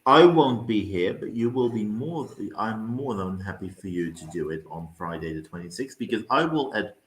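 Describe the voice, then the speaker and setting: A man's voice: on the low side, animated, moderate pace, echoey room, rough recording. A man from the Netherlands with a Dutch accent, co-hosting a livestream over a video call, upbeat and talking straight to viewers. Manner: upbeat, rambling, addresses viewers directly. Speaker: co-host of a livestream. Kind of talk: casual livestream chat.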